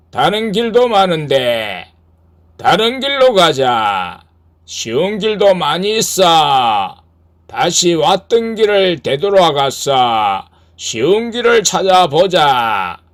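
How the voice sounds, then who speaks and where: A man's voice: high voice, sing-song, slow, fairly bright tone, voice pushed up, exaggerated voice. A man putting on a sly coaxing devil. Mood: wheedling. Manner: coaxing, needling. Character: sly tempting male devil.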